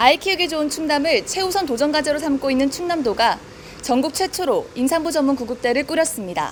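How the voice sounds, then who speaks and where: A woman speaks fairly quickly. Background noise is noticeable throughout. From Gyeongsang region. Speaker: announcer. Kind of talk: TV news narration.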